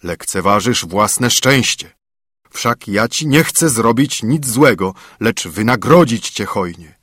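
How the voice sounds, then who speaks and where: A towering spirit just let out of a bottle, booming slow and menacing in a husky voice, as a man reading a storybook puts him on. His threats rise and fall widely in pitch. The recording is dry and close, with no room sound. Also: expressive, fairly bright tone, dry recording, exaggerated voice. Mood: coaxing. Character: huge boastful male spirit freed from a bottle.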